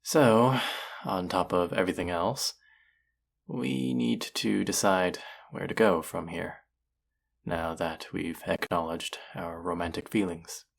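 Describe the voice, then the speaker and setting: A man's voice: low voice, steady tone, takes it slowly, vocal fry, exaggerated voice. A man acting a cocky, teasing male chef in an intimate romantic audio roleplay, speaking to his rival and love interest. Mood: tender, playful.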